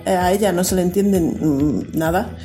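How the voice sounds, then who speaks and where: A woman's voice: fairly low pitch, normal speed, mellow, faint music behind. A woman host in casual radio chat, talking about a TV series in a chatty way, laughing easily and often restarting her sentences.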